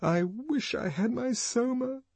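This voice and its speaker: A man voicing a pampered, fragile young woman, pleading in a high, breathy falsetto. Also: animated, slow pace, a little mellow, dry recording, exaggerated voice. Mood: dazed.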